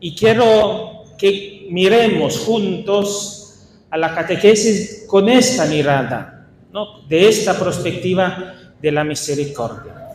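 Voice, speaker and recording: A priest with an Italian accent gives a workshop in a high, light voice. He speaks unhurriedly and pauses to restart his phrases. The sound rings with a long reverb through a large hall, with a faint hum of room noise beneath. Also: darkish tone. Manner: unhurried, halting, with small restarts and filler. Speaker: Franciscan priest leading a catechist workshop. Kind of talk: workshop talk to catechists. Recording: echoey hall with faint ambience.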